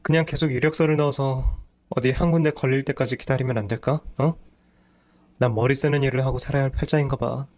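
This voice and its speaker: A man's voice: medium pitch, fairly even intonation, quick pace, darkish tone, natural voice. Man doing a whiny, lazy husband. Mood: defensive. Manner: whiny, defensive. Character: lazy, self-pitying unemployed husband.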